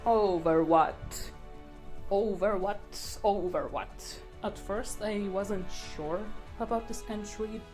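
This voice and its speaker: A woman's voice: mid-range voice, slow pace. Young woman chatting over music. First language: Polish. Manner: chatty, rambling, with fillers. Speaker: artist. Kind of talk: casual voice-over commentary. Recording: voice-over with loud background music.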